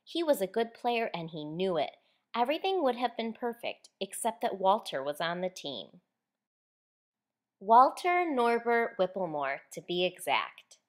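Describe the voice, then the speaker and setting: A woman author reading a children's story aloud in an expressive, clearly enunciated storytelling style. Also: mid-range voice, unhurried. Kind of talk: expressive children's picture book read-aloud.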